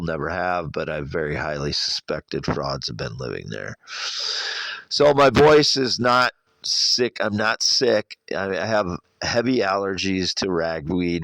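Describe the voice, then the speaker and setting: In a dry, close recording with no room sound, a middle-aged man from Iowa talks through a rambling personal monologue. His Midwestern-accented voice is extremely low and gravelly, congested from allergies, yet fairly bright in tone, and he keeps pausing, repeating, and correcting himself.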